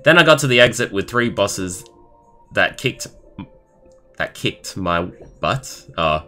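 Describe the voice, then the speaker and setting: Low-voiced young man streamer, bright tone. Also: very animated. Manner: halting, stumbling over words while reading. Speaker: live streamer. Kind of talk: reading a viewer's story aloud with casual reaction comments. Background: background music.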